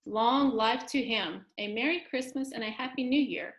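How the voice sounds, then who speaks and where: A woman playing a proud, sharp-tongued wife and mother in a dramatic storybook reading. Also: on the high side, normal speed, lightly acted. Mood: grudging. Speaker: amateur reader, library staff. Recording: echoey room.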